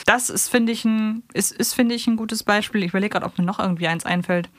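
A woman's voice: mid-range voice, fast talker, no room sound. Chatty woman in a dry recording. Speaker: podcast co-host. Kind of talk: casual chat reviewing an audio drama.

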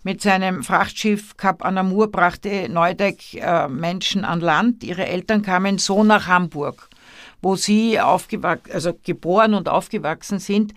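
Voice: medium pitch, a little slow, a bit bright, dry recording. A university interviewer asking questions in a conversational way, with frequent fillers.

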